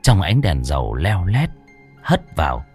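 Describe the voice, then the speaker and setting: A man's voice: low voice, big pitch swings, measured pace, darkish tone. A man narrating a ghost story in a dramatic storytelling manner. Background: faint background music.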